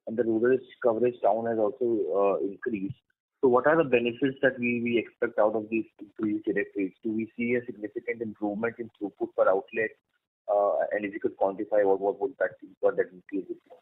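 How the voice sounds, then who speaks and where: A man, an analyst, asking follow-up questions on an earnings call, precise and inquisitive. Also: on the low side. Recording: tinny phone line.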